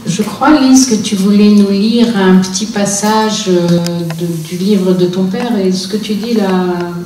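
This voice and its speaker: Mellow woman moderator, far and echoey. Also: medium pitch, steady tone, measured pace, a little hiss or hum. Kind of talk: moderating a live conversation. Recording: very echoey room from a distant mic.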